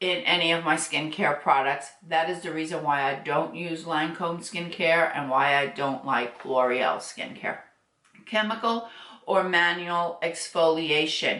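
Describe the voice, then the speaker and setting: This woman has an unremarkable speaking voice with a fairly low pitch. She talks at a fairly slow pace with ordinary pitch variation. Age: 60s. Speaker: beauty vlogger. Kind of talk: casual talk to camera.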